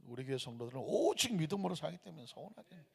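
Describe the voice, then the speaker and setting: A man's voice: on the high side, sing-song, quick pace, creaky, a little mellow, slightly rough. A pastor in his fifties preaching emphatically in a church, with rhetorical questions and storytelling. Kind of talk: sermon. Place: church sanctuary. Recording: long church-hall reverb.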